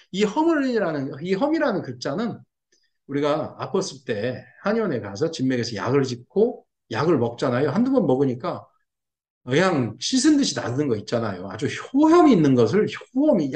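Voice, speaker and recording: A middle-aged man giving an explanatory lecture on old texts, repeating each term and acting out reactions in lively asides. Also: fairly high pitch. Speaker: lecturer on classical fortune-telling texts. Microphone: seen on camera.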